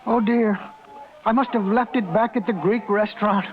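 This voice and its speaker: A man's voice: sits high, fairly even intonation, moderate pace, lightly acted. A man playing a timid, fussy store clerk who narrates a 1950s radio drama, hesitant and stammering. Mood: fretful. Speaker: lead actor and narrator. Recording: tinny old radio broadcast with music.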